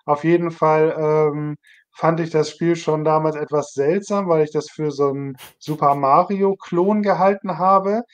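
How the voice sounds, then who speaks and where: A man's voice: fairly high pitch, fairly even intonation, unhurried. A man, talking casually and curiously as a livestream co-host. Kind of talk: casual chat.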